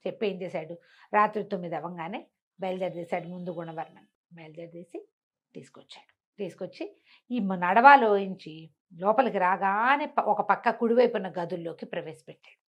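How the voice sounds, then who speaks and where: Her voice fairly low and her pace moderate, a woman with a Telugu accent recounts a folk tale animatedly and conversationally. She poses questions and supplies the answers herself, and the sound is lo-fi.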